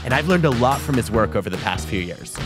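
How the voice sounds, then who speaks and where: A man's voice: medium pitch, animated, quick pace, over music. Curious man hosting an interview podcast. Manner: curious, enthusiastic questioning. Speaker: podcast host, psychologist.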